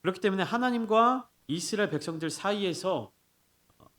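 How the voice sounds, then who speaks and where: Korean pastor guy preaching, voice a bit high, swoops up and down a lot, asks q's and answers them. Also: fairly quick. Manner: explanatory, asks rhetorical questions then answers them; acts out scolding quotes in lively bursts. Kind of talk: sermon.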